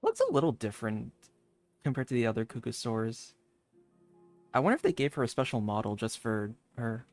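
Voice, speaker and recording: A man's voice: mid-range voice, wildly swooping pitch, a little fast, no room sound. A man giving casual let's play commentary as a gaming streamer, offhand and half talking to himself. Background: soft game music.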